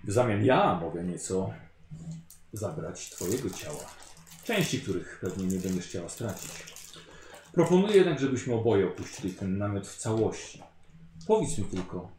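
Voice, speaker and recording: A man voicing a calm, menacing male Chaos Space Marine warlord who speaks in a measured, quietly threatening way. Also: low-pitched, echoey room, slight background noise.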